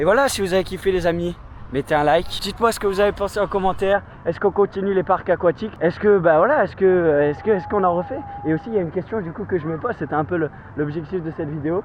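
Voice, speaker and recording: Ordinary pitch variation in very fast talk, with noticeable background noise behind it. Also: man, high pitch for a man. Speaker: travel vlogger. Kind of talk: casual vlog chat. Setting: outdoors at water park. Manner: animated.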